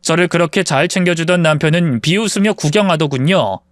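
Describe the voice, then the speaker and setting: Man storyteller, calm steady narration, high voice, dry close sound. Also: a little fast, no room sound. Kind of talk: dramatized first-person story narration.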